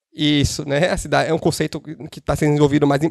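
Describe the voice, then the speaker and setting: Dry and close with no echo at all, the sound carries a man's voice. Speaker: course lecturer on urban mobility. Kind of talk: lecture. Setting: auditorium with audience and Zoom. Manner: fast.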